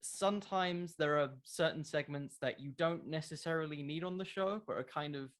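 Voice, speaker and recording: A man's voice: a little high, normal speed, a bit bright. A man who makes a podcast, answering in a casual interview, explaining his views with plenty of qualifiers. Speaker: podcast creator being interviewed.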